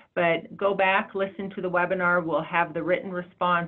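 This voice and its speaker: A woman talks at a moderate pace in a normal speaking voice. Her pitch is fairly low and her intonation fairly even. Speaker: state special education official. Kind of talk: webinar Q&A answer. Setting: video call.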